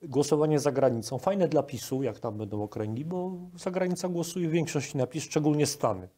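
A man's voice: a little high, expressive, brisk, mellow. A man in his forties interviewing a guest as a program host, on a lapel microphone in a studio. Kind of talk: broadcast interview.

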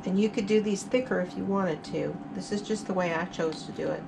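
A woman's voice: on the low side, fairly quick, creaky. Chatty woman cooking in a noisy kitchen. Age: middle-aged. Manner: chatty, explains each step while cooking. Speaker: cooking channel host. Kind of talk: casual cook-along narration. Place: home kitchen, indoors.

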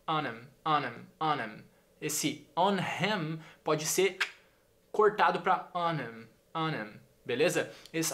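A man's voice: fairly high pitch, a bit bright. A young Brazilian man with a Brazilian Portuguese accent, chatting enthusiastically as he teaches in a casual video lesson and repeats his examples. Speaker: English teacher.

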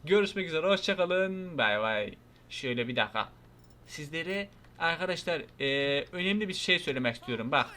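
A man giving lively, excitable commentary over his gameplay, joking and shouting at the characters on screen. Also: fairly high pitch, a little fast. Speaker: gaming YouTuber.

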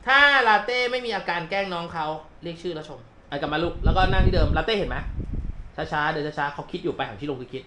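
A man working as a dog trainer, talking owners through a lesson at their home in an animated way and sometimes speaking the dog's thoughts aloud. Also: a little high. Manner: animated, quick explanatory chatter that voices the dog's thoughts. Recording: echoey room with faint noise.

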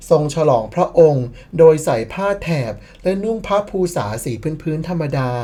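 A woman with a low, warm voice narrates scripted history commentary as the channel admin, sounding playful and sarcastic with occasional bursts of mock disbelief.

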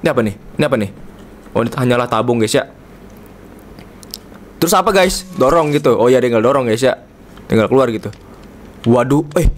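A man's voice: mid-range voice, fairly quick, pauses often. A man from Indonesia, playful and chatty, giving casual live commentary while streaming a game and constantly calling out to viewers. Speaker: gaming streamer.

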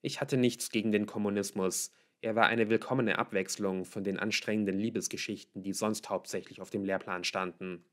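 Low-voiced male audiobook reader. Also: steady tone, a little fast, hardly any pauses. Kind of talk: scripted narration of a novel.

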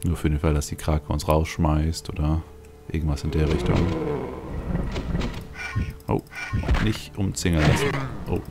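A man's voice: rumbling low, fairly even intonation, unhurried, pauses often, over loud music. A man giving casual gameplay commentary, musing aloud to himself as he plays. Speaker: let's play host.

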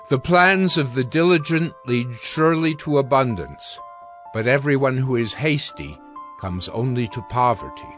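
A man reading scripture aloud as a dramatized audio Bible narrator, in a solemn, measured delivery. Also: mid-range voice, a bit bright. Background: background music.

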